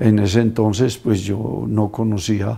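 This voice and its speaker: Monotone and flat, a man speaks fairly slowly in a fairly low pitch with a dark, mellow tone. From Colombia, Antioquia (Sonsón). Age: 80s+. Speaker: elderly local resident interviewed about town history. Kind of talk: interview storytelling. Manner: hesitant, with frequent fillers.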